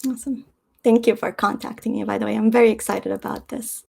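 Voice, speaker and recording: A woman hosting her channel, talking casually and haltingly with many ums and uhs. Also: mid-range voice, little pitch movement, creaky, darkish tone, slightly rough. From Canada. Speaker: channel host. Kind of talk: casual explanatory talk. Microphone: stream setup.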